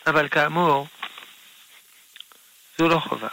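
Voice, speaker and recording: A rabbi answers listeners' questions on a call-in radio show, his voice sitting a little high with a gravelly, bright edge. He explains things patiently and gently and is never in a hurry. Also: steady tone, a little hiss or hum, rough recording. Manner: gentle, unhurried, explains patiently with soft laughs.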